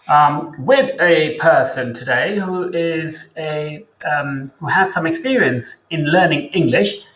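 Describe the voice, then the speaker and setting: A man who teaches English hosts a casual interview chat, talking in a chatty way and thinking aloud with pauses. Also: on the high side, fairly bright tone, echoey room, low-quality recording.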